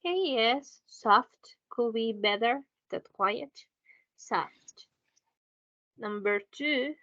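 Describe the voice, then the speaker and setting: A woman teaching English at a slow, careful pace, with a slightly high voice. She patiently repeats and corrects her student's answers. The sound is dry and a little dull, like lo-fi call audio. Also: fairly bright tone, no room sound. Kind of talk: online English lesson.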